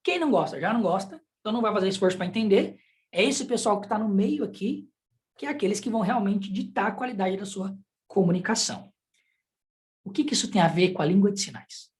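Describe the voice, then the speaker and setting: A man's voice: high-pitched, lively intonation, quick pace. A man with a Brazilian Portuguese accent teaching a sign language class in a conversational way, often checking in with the students through rhetorical questions. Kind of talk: live online class.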